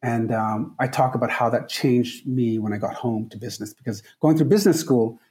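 Earnest man with a mellow voice. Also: medium pitch, a little fast. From Trinidad. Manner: earnest, emphatic, repeats key phrases. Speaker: guest, travel company founder. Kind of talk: podcast interview answers.

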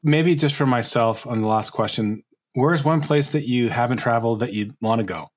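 A man's voice: medium pitch, fairly quick. A man hosting a podcast who asks questions, reacts briefly and reads a scripted outro. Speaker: podcast host.

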